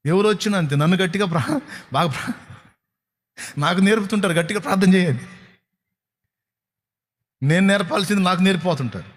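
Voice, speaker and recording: A male pastor delivers a sermon at a night prayer service. His voice sits a little high, and he preaches emphatically, firing off rhetorical questions. A long reverb tail hangs on every phrase in the hall. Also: brisk, pauses often. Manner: emphatic, rhetorical questions, big swings in pitch.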